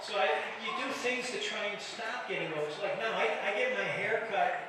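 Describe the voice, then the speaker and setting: A man's voice: high-pitched, brisk. Self-deprecating stammering man in an echoey club. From Detroit area. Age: older. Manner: self-deprecating, stammering restarts, banters with the crowd. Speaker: stand-up comedian. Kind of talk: stand-up comedy set. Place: comedy club stage. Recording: echoey club from far off, crowd noise.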